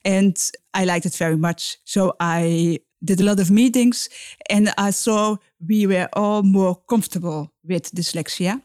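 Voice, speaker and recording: A middle-aged woman, a guest expert on a podcast, speaking English in halting phrases that often restart. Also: mid-range voice, a little mellow, dry recording, studio quality. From Netherlands. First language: Dutch. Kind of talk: podcast interview.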